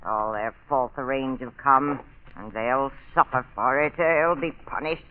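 An actress playing a cruel, imperious plantation mistress in old radio drama style, with a commanding, theatrical delivery. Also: female voice, a bass voice, unhurried. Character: cruel, imperious female plantation mistress enslaving drugged men. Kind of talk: 1940s radio drama acting. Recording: old muffled radio recording, long reverb.

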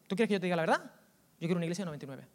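A man with a Valencian Spanish accent, preaching a lively, colloquial sermon that swings from loud outbursts to hushed asides. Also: high-pitched, very fast. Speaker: pastor.

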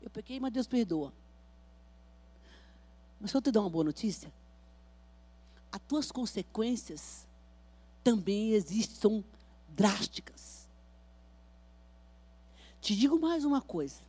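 A woman missionary, preaching a fervent sermon at a church service and moving between quiet storytelling and loud exhortation. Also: medium pitch, sing-song, measured pace, pauses often, husky.

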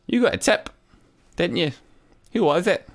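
A man voicing a gentle young Scottish woman in her twenties, a media student, in a read-aloud story. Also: sits high, animated, normal speed, creaky, pitched above the performer's own voice. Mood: eager. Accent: Central Belt Scottish.

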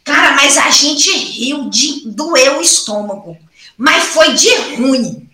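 A woman chats as a podcast guest, telling funny stories with a lot of laughter. Her voice sits a little high and sounds bright and forceful. The room is echoey, with a faint hiss behind her. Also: slow pace. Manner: lively storyteller, laughs a lot. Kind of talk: casual podcast chat.

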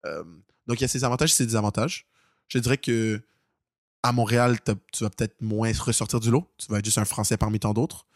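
A man's voice: lowish voice, no room sound, clean studio sound. A young man in his twenties with a Québécois accent, co-hosting a casual podcast and telling stories with lots of restarts. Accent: Québécois French. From Quebec. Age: 20s. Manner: animated storyteller, fast with many restarts. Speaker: podcast co-host.

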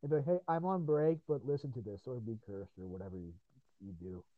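A podcast host with a medium-pitched, steady voice talks a little fast in casual chat, swearing, rambling and laughing often. He sounds tired after hours of talking. There's no echo, though the line is tinny and phone-like.

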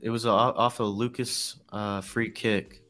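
Low-voiced earnest podcast co-host. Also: male voice, flat delivery, unhurried, fairly bright tone. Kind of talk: casual fan chat.

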